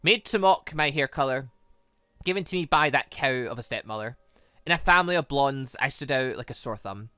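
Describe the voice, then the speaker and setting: A cool, guarded young villainess from a visual novel, read out by a British man. The delivery is measured and scheming, with a low-key edge. The voice is bright and closely, dryly recorded. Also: smooth, no echo, natural voice. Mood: guarded, bitter. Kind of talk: reading game dialogue aloud.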